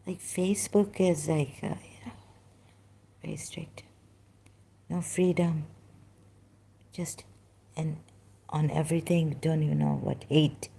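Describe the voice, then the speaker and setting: Low, slow, halting woman. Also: fairly even intonation, creaky, slightly rough. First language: Khoja Sindhi. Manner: halting and soft, drifting between thoughts. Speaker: vlogger. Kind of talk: personal spoken monologue. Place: home, resting.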